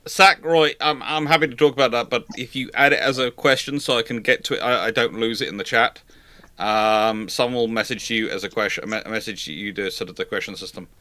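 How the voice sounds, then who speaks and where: A man hosts a casual live panel, thinking aloud as he goes. His voice is very bright and sits in a dry space with little room sound. He rambles conversationally from point to point. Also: medium pitch, brisk, dry recording. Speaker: host of a live question-and-answer stream.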